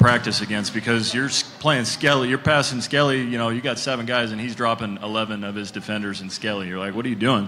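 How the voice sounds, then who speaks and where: Against light background noise, a man with a medium pitch talks at a fairly quick pace in a normal speaking voice with fairly even intonation. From US Northwest. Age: 30s. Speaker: professional football quarterback; panelist. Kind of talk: panel discussion. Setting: stage with audience. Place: stage. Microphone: handheld.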